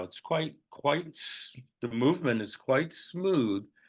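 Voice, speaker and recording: The setting is quiet. In it, a man talks with lively intonation. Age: 80s+. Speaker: psychotherapist. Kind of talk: casual chat.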